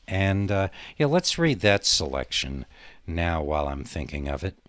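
A man with a fairly low voice talks casually as a solo podcast host. He wanders through digressions and hesitates as he goes. The sound is fairly dry, with little room around it. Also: sing-song, unhurried, fairly bright tone, no room sound. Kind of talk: rambling casual solo monologue.

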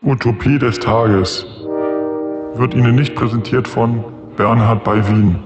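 A man's voice: mid-range voice, steady tone, a little slow, muffled recording. A man reading parody adverts and announcements as a scripted announcer. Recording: voice over clear background music.

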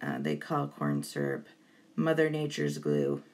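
A woman's voice: rumbling low, big pitch swings, measured pace, a little mellow. A woman giving an informal step-by-step tutorial voice-over in a chatty way, encouraging to beginners. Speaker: baking tutorial host.

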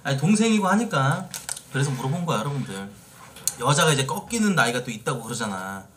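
Talkative male streamer, animated pitch, teasing, faint room hiss. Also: quick pace. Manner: talkative, teasing, addresses viewers directly. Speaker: streamer host. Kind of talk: casual live-stream chat with viewers. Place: indoor streaming room, seated in office chair.

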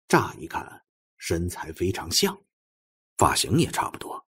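A man voicing a sharp-witted male supernatural detective chief in an audiobook, quick, offhand and commanding. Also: deep voice, breathy edge, voice pushed down, exaggerated voice. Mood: musing.

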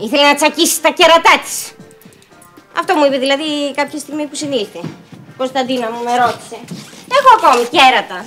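A woman's voice: high voice, music in the background, close to an everyday voice. Woman playing a sarcastic grown daughter. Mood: scolding. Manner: sarcastic, scolding. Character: sharp-tongued young daughter. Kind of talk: TV sitcom acting.

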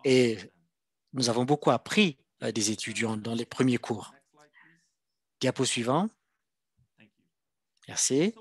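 A man interpreting a formal presentation live, in halting phrases that come piece by piece. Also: medium pitch, slightly rough, dry recording. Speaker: simultaneous interpreter.

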